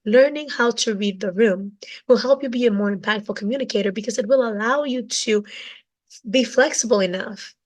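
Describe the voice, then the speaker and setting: A woman with a cold and a raspy voice, teaching communication from her office. She ends her points with "right?" tag questions. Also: fairly high pitch, brisk, poor audio. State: has a cold. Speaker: communication coach. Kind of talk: direct-to-camera teaching talk.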